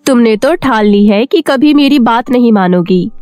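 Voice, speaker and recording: A woman plays a queen in a cartoon fairy tale, a concerned mother with an admonishing tone. Her voice is on the high side and dry, with soft music behind. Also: expressive, moderate pace, no room sound, close to an everyday voice. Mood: exasperated. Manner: admonishing, exasperated, maternal. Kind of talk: cartoon moral-story character voice.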